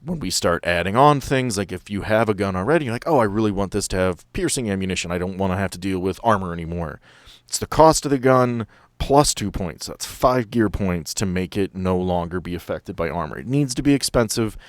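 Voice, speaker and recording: A man's voice: low-pitched, expressive, fairly quick, no echo. A man running a tabletop game, casually explaining the rules to his players. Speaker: game master.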